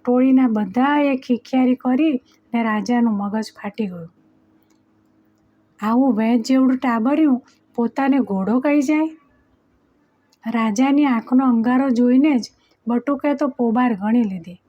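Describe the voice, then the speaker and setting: A woman narrating a storybook chapter aloud, slowing down to voice the characters in the dialogue. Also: a little high. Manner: slows down and voices characters in quoted lines. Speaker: audiobook narrator. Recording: dull lo-fi recording.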